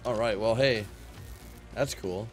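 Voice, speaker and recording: A man's voice: lowish voice, slow pace. A young man streaming a multiplayer survival game, joking and calling out to his teammates. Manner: joking, excitable, chanting repeated phrases. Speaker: gameplay streamer. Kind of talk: casual multiplayer game chat. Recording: faint background music.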